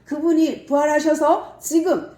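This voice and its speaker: A woman putting on a fervent male apostle, preaching boldly to a crowd in a raised, mellow voice. The sound rings around an echoey church room. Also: sits high, level tone, unhurried, pitched above the performer's own voice. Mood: proclaiming. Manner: bold proclaiming preacher.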